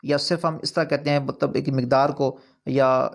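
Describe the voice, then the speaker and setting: A man lectures a recitation class in a gravelly, mid-pitched voice. He explains each point earnestly, repeating it and pushing his pitch up on the key words. Urdu is not his first language. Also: flat delivery. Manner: earnest, repetitive explaining with rising emphasis. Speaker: naat recitation teacher. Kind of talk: online course lecture.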